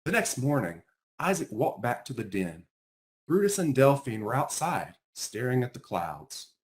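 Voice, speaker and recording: A man reading a children's picture book aloud in an expressive storytelling style, as its author. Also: mid-range voice, unhurried.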